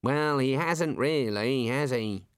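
A man's voice: mid-range voice, slow, clean tone, dry recording, studio quality, lightly acted. A man doing a gloomy, fretful old wizard. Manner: gloomy, deadpan.

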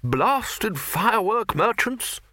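Man putting on a gruff old wizard chief, blustering, high and loud, brusque clipped bursts, bright edge, dry close sound. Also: big pitch swings, takes it slowly, dry recording, heavily acted.

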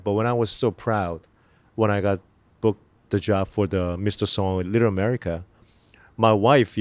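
A middle-aged man with a Korean accent, an actor answering interview questions in an earnest, halting way with many fillers and restarts. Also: sits low, darkish tone, no echo. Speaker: actor guest.

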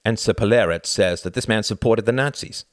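A man's voice: lowish voice, a little fast, no room sound, studio quality, lightly acted. A man voicing a wary man thinking aloud. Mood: anxious reasoning. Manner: quiet, anxious inner reasoning.

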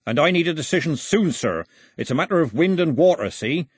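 A man's voice: fairly high pitch, lively intonation, a little fast, husky, dry recording, studio quality, voice pushed up. A man voicing a wary, plain-spoken sea captain with blunt, folksy, dryly deferential nautical talk in an audiobook. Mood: grave, practical.

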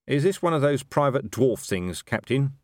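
A man's voice: medium pitch, animated, moderate pace, no room sound, clean studio sound, voice pushed up, lightly acted. A man playing a sardonic, weary watch commander. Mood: sceptical. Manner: demanding, sceptical, sarcastic.

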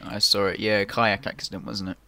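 A young man co-hosting a podcast in casual chat, laid-back and quick to laugh. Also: lowish voice, steady tone, vocal fry, sharp tone. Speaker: podcast co-host.

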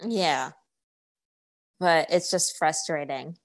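A woman's voice: low voice, slow. Easygoing woman agreeing in casual chat. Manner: easygoing, agreeable, hesitant fillers. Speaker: podcast co-host.

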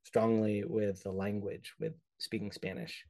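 A young man from El Salvador, a podcast guest speaking thoughtfully in an interview, often pausing and restarting as he searches for words. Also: fairly low pitch, level tone, gravelly, warm tone. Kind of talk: reflective conversational interview.

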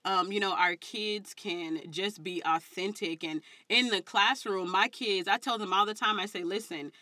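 A woman's voice: mid-range voice, moderate pace, sharp tone, no room sound. A woman in her thirties with a Southern African American English accent, talking candidly and emphatically in slangy, unfiltered conversation as an interview guest. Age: 30s.

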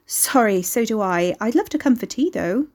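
A woman's voice: on the high side, lively intonation, normal speed, darkish tone. A woman voicing an awkward younger woman in an audiobook, apologetic and eager to please, polite and hesitant.

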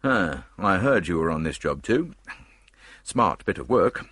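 A blunt, cocksure police inspector, as a man reads him. He sounds low and husky. The recording is close and dry. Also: big pitch swings, a little slow, fairly bright tone, dry recording, full character voice. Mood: cheerful. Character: brash, cheerful Scotland Yard inspector, man.

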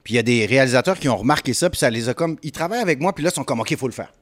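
A man's voice: mid-range voice, rapid-fire. A man with a Haitian-tinged French accent, a rapper telling stories in a casual interview, dropping English phrases. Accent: Haitian French mixed with Quebec French. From Montreal. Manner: animated storytelling, mixes English phrases. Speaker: rapper guest.

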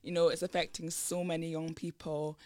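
A woman hosting a casual radio interview, a little croaky from a sore throat. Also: sits low, level tone, normal speed, mellow, no room sound. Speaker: radio show host. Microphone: studio microphone.

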